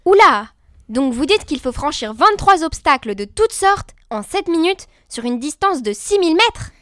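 A young woman co-hosting a scripted debate show, expressive and playfully indignant. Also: high-pitched, moderate pace, dry recording, studio quality. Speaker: co-host.

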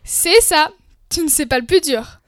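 A young woman co-hosting a scripted debate show, lively and opinionated. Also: high-pitched, measured pace, no echo, clean studio sound. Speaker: co-host.

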